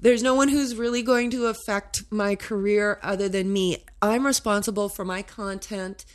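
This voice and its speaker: A woman from Canada with a low voice for a woman, chatting as a podcast guest and telling lively, playful stories. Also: moderate pace. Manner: animated, playful storyteller who laughs through her stories. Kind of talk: casual chat.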